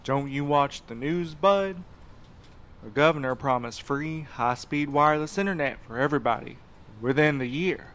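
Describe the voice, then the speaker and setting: A man's voice: on the high side, normal speed, a bit bright, natural voice. A man playing a jaded, slangy internet cafe owner in an audio drama, with a brash, casual way of talking. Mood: brash, cynical. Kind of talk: naturalistic audio drama acting.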